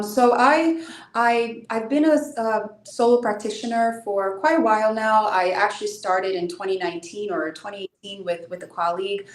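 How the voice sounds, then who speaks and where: A woman's voice: mid-range voice, reverberant, poor audio. A woman in her thirties, born in Brazil with Portuguese as her first language, answering interview questions as an immigration attorney in an earnest, explanatory way, often repeating a word as she starts a phrase.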